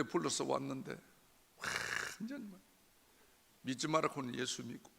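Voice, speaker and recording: An older man, a church elder, giving an impassioned testimony sermon, his voice swinging between hushed near-whispers and loud cries. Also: fairly high pitch, gravelly. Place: church sanctuary. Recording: long reverb of a church hall.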